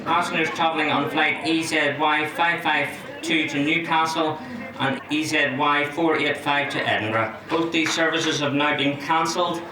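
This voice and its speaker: A man making formal airport public address announcements over loudspeakers, reading out flight numbers in a measured way. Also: a little high, fairly even intonation. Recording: echoey loudspeaker from far off, busy crowd.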